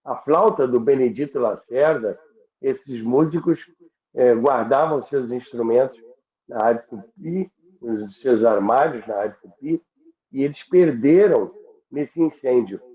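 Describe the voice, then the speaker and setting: This older former radio worker, now a radio history presenter, speaks at a medium pitch. His storytelling is conversational but slow, deliberate and halting. A roomy echo and a thin, phone-like quality color the recording.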